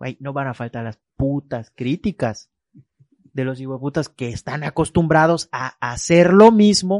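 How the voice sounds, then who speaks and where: Very slow and fairly high in pitch, a man speaks with lively intonation and big swings in loudness, in a dry, close sound with no echo. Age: 30s. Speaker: podcast host and journalist. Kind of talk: casual chat.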